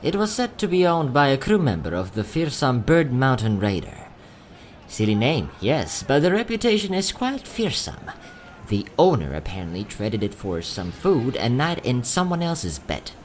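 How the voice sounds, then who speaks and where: A man playing a courteous, quietly sad young travelling merchant in a fantasy audio drama, speaking in polite, theatrical salesman's patter. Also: medium pitch, very animated, normal speed, slight background noise, lightly acted. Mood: wry sales patter. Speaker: voice actor.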